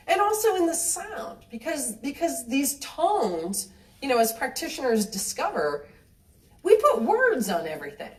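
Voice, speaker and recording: A woman giving a live talk to an audience, chatty and animated, acting out little quoted exchanges and laughing lightly as she talks. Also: a little high. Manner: laughs lightly mid-sentence. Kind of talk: live lecture with audience questions. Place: cinema venue with an audience. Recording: roomy hall sound from a distant mic.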